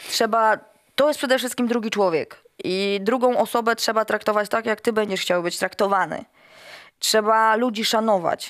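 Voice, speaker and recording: At a moderate pace, a woman speaks in a fairly high pitch with ordinary pitch variation and very even loudness over a quiet background. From Poland, Masuria (Działdowo); Poland. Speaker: national team football coach; women's national football team coach, guest. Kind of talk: casual interview. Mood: calm, earnest. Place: studio. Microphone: headset.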